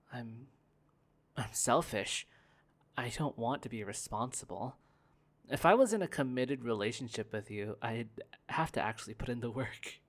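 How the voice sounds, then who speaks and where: A young man voicing a gentle, guarded corporate heir in an ASMR roleplay, speaking softly with stammering restarts. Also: mid-range voice. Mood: wistful. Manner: soft-spoken, hesitant, stammering restarts. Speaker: roleplay performer.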